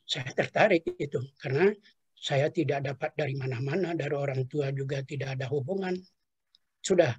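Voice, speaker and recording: Older male interviewee, husky and a touch high-pitched, halting reminiscence full of fillers. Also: darkish tone, no room sound. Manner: hesitant, many fillers and trailing asides. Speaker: interviewee, retired professor.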